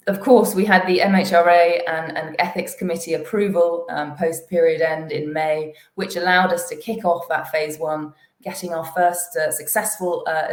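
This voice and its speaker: Low-voiced woman presenting to investors, echoey. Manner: hesitant, many fillers and restarts. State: losing her voice. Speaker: company executive presenting to investors.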